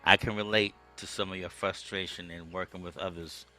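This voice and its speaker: A man hosting a podcast, chatting casually with his guest in a relaxed, conversational way from his own studio setup. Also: low-pitched, brisk, no echo, faint music behind. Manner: relaxed, conversational, with frequent "um" and "okay". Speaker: podcast host. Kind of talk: casual interview chat. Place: home music studio.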